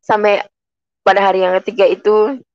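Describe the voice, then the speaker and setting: A woman's voice: medium pitch, little pitch movement, moderate pace, a little mellow, no echo, muffled recording. A woman from Indonesia giving an earnest personal faith testimony, speaking to listeners as friends.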